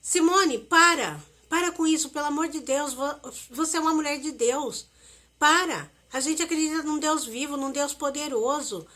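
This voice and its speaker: A woman voicing her devout female friend, who keeps pleading with someone to calm down and pray. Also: high voice, moderate pace. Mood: urgent pleading. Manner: pleading, insistent, repeats herself. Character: adult woman friend, urgently calming, devout.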